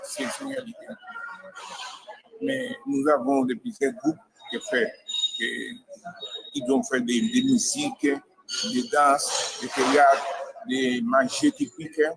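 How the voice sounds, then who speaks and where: A man from Cuba, answering interview questions in a halting way, often repeating his words. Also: medium pitch, lively intonation, a bit bright, rough recording. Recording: crowd chatter behind.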